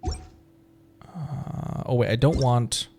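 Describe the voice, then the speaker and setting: A man streaming live reaction commentary in a halting, rambling, easily excited way. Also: medium pitch, a little hiss or hum. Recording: music playing behind the voice. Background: game trailer music.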